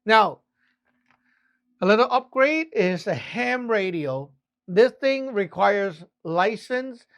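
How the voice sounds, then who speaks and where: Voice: mid-range voice, animated, takes it slowly. Chatty Hong Kong-accented Taoist master. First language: Cantonese. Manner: chatty and loose, often asks "right?". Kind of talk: casual explainer vlog.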